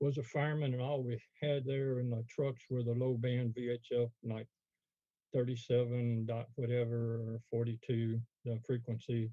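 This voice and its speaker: Intonation stays monotone and flat. The man's pace is moderate. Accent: Texan. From East Texas. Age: 80s+. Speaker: ham radio presenter. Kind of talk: presentation. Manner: halting.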